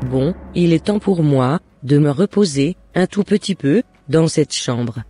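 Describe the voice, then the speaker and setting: A man voicing a troubled, remorseful mother in a Christian cartoon, speaking in formal, measured phrases. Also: on the high side, expressive, background noise. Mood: weary. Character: remorseful mother, weary and frightened, seeking God's forgiveness. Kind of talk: scripted amateur Christian cartoon dialogue. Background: faint music.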